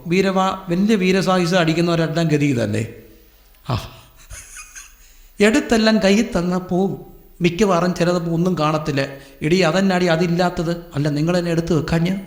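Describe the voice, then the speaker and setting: A man preaching a sermon, telling stories and asking questions he answers himself. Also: a little high. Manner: storytelling, asks questions and answers them. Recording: echoey hall.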